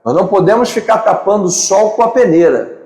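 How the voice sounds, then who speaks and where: Man, Brazilian accent, pastor, emphatic sermon, repeated phrases, high voice, long church reverb. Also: expressive, a little fast, darkish tone. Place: church sanctuary. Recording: echoey hall with long reverb.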